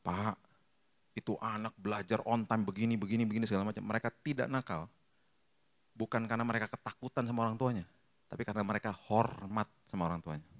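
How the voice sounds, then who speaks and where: A middle-aged pastor with a mid-range voice preaches a lively sermon, dropping in English phrases and acting out the voices he quotes.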